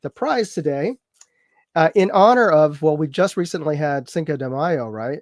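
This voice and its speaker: A man's voice: on the high side, lively intonation, moderate pace, no echo, clean studio sound. A man hosting a live chat show, talking casually and rambling a bit, congested from a cold. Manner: rambling, filler-heavy, chatty with viewers.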